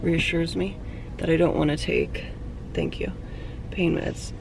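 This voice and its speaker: A woman with a hoarse, fading voice, chatting candidly into a handheld camera for her vlog outdoors. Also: deep voice, very animated, a little slow. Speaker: vlogger. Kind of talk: casual vlog talk. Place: outdoors near traffic and parking lots. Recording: distant mic with street noise.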